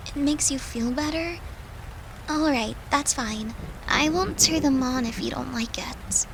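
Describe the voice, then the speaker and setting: A woman plays a worried young girlfriend speaking tenderly to her partner in an intimate audio roleplay. Her female voice is high and creaky, with a soft, hesitant, coaxing manner. Clear background noise like rain sits behind her. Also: measured pace. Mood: gentle, reassuring.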